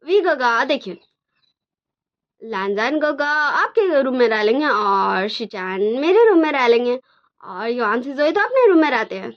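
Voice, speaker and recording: A woman voicing a cheerful, meddling young man who speaks in a firm, steady way. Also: on the high side, a little slow. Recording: dull lo-fi recording.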